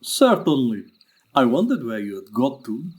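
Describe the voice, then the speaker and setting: An actor playing a smooth, menacing male drug cartel boss in a drama, mock-polite and gloating. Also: mid-range voice, sing-song, normal speed, a little mellow. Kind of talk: drama villain acting.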